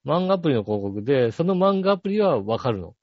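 A man's voice: medium pitch, big pitch swings, quick pace, no echo, muffled recording. A man co-hosting a podcast, telling a rambling story in casual chat with many fillers. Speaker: podcast co-host.

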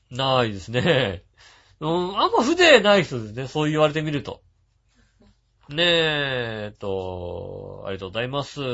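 A man hosting a radio show, reading listener messages and chatting about them in a relaxed, rambling way with frequent chuckles. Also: medium pitch. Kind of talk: casual chat. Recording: dull lo-fi sound.

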